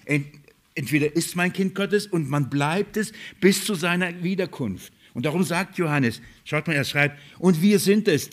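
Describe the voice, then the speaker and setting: A man preaching a sermon, emphatic and direct, asking rhetorical questions and calling his listeners beloved. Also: fairly high pitch. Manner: emphatic, rhetorical questions, swings between loud stresses and quiet drops. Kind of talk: sermon on a Bible letter.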